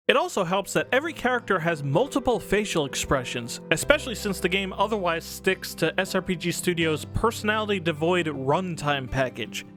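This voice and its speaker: A man's voice: high-pitched, sharp tone. A man hosting a scripted comedic review, talking casually with swearing and exaggerated emphasis over music. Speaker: video host and game reviewer. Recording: music under the voice. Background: background music.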